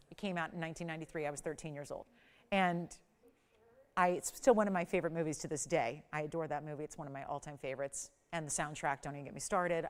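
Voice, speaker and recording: A woman in her forties hosting a live TV jewelry shopping show, delivering an enthusiastic, emphatic sales pitch that keeps circling back to the same selling points. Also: smooth. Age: 40s.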